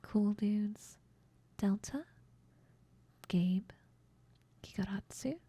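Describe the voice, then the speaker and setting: Asmr lady whispering her thanks, husky and slow. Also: mid-range voice, dry recording. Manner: soft, grateful whispering. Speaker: ASMR creator.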